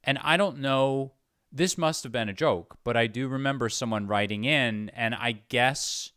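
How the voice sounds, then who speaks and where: A man's voice: medium pitch, moderate pace, pushed and bright, clean tone, no room sound, clean studio sound. A man chatting casually as interviewer, hesitant and rambling, often correcting himself. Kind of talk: casual conversation.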